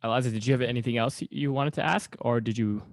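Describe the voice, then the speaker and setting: A man's voice: mid-range voice, fast, no echo, clean studio sound. A man hosting a podcast interview in a casual, chatty way. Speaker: podcast host.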